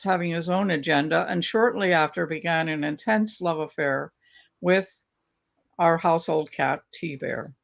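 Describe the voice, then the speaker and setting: An older woman reads her memoir aloud, taking each sentence at an unhurried, measured pace. Her voice carries a gravelly fry, and the sound is that of a webcam on a video call in a book-lined home study. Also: fairly low pitch. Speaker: author reading her work.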